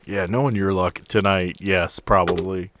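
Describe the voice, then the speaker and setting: A man's voice: deep voice, fairly even intonation, moderate pace, noisy background. A man acting as game master, narrating and refereeing a tabletop game in a casual, teasing way.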